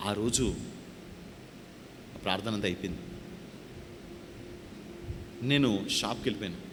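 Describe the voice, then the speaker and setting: A man preaching a testimony sermon as a pastor, with a Telugu accent, calling out to the congregation and then dropping low to tell his story. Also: measured pace, background noise. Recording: hall reverb with faint ambience.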